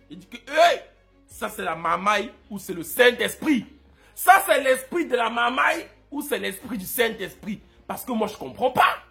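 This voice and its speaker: A man doing comic commentary as a YouTuber, excitable and mock-adoring, breaking into shouts. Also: very high-pitched, vocal fry.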